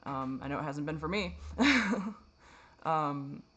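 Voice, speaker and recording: A woman's voice: low-pitched, lively intonation, slow pace, fairly bright tone. A woman vlogger speaking to camera in a rambling, self-critical confessional monologue, swearing often and restarting her sentences.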